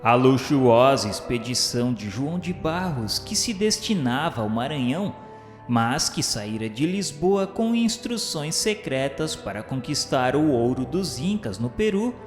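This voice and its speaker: A man with a Brazilian accent reading a solemn radio drama narration in a measured, grandiloquent way. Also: medium pitch, sing-song. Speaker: narrator of a religious radio novela. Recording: reverberant hall echo, music underneath. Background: background music.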